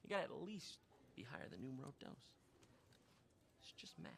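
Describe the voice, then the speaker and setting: A man narrating a scripted comedy mockumentary in a deadpan, boastful way that swings into loud outbursts. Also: a little high, normal speed, gravelly, slight background noise. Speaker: comedic host of a mockumentary video. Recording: music bed under the voice.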